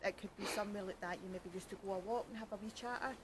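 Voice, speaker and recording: A woman's voice: medium pitch, fairly even intonation, racing, background noise. A Scottish woman with a Glaswegian accent, hosting a podcast in a rambling, joking chat outdoors by a canal at night, cold. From Scotland. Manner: chatty, joking, self-mocking, rambling. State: cold, fingers freezing. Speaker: podcast host. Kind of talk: casual chat.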